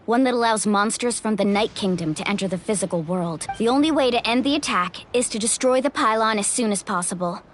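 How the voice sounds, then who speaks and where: A woman's voice: mid-range voice, a little fast, hardly any pauses, soft background music, close to an everyday voice. A woman voicing a brave, upbeat young tribal guide in a video game, protective and decisive. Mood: determined. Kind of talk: game voice acting.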